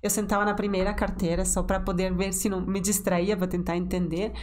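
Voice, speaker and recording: Woman, young adult, podcast guest, soft-spoken, halting. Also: medium pitch, flat delivery. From Chile. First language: Spanish. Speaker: guest architect. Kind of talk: casual podcast interview.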